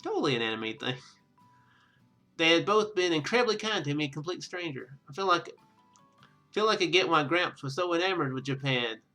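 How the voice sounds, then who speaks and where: A man with a fairly high, bright and forceful voice reads a visual novel aloud over clear background music. He mixes narration with casual commentary, often tripping on a line and correcting himself. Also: animated, brisk. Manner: stumbles over read lines and corrects himself. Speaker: gaming video host.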